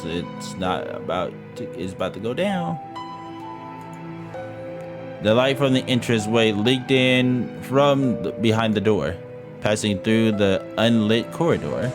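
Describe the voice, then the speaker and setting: Over loud game music, a man streams himself reading a visual novel's ghost story in a fairly low, expressive, unhurried voice. The dramatic reading keeps breaking for casual swearing, and he stumbles on the words.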